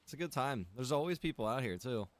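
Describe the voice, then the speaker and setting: A man's voice: mid-range voice, lively intonation, fast talker, no echo. A man talking casually and easily to viewers as he hosts a live gameplay stream, chatty and direct. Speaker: game streamer and server admin.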